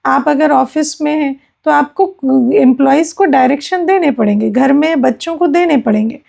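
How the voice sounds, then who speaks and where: A woman spiritual teacher giving a gentle explanatory discourse, often checking in with her listeners. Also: high voice, normal speed, vocal fry.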